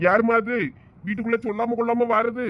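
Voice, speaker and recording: A man's voice: extremely high pitch, flat delivery, fast talker, slight background noise. A man voicing a groaning bee-stung villager. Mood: polite, flustered. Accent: Thoothukudi Tamil. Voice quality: whiny, groaning. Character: young village man, face swollen from bee stings. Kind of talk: cartoon voice acting. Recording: dull lo-fi audio.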